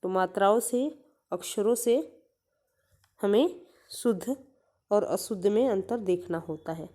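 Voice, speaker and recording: A woman teaches young children in an unhurried, mellow voice. She says each word aloud several times and walks through the letters and vowel marks with patience. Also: medium pitch. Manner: slow, repeats each word aloud for pupils; patient, explains letters and vowel signs step by step. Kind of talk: Hindi grammar lesson for children.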